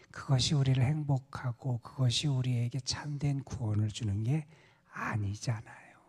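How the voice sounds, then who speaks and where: A male pastor preaching a dawn prayer sermon in a soft, often half-whispered delivery, recorded in a church sanctuary. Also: medium pitch, breathy edge. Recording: long church reverb.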